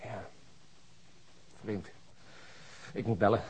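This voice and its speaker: An actor playing an indignant, excitable police detective in a radio play, husky and sarcastic. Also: male voice, lowish voice, takes it slowly, full character voice, rough recording. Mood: urgent. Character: exasperated, indignant, theatrical male police detective.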